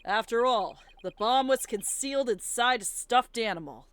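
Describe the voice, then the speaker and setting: A woman's voice: fairly high pitch, expressive, normal speed, clean tone. A woman hosting a let's play, reading video game dialogue aloud and chatting casually. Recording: game music behind. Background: video game music.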